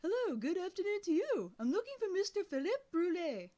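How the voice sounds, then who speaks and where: Woman voicing eager teen boy genius, high, insistent, lively pitch. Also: brisk. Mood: shouting.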